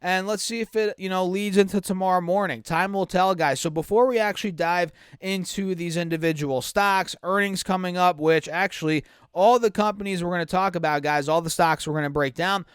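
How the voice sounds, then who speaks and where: Man, stuffy nose, upbeat market chat, fairly high voice, smooth clear tone. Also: steady tone, fairly quick, hardly any pauses, no echo, studio quality. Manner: upbeat, addresses viewers as guys, many fillers. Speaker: stock market YouTuber. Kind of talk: casual market analysis to camera.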